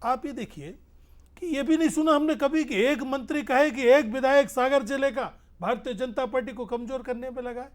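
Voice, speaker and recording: Man, high-pitched, political panelist, forceful debate.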